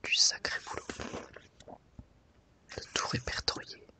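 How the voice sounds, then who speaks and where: This is a whispering ASMR host who calmly walks listeners through a book, never rushing.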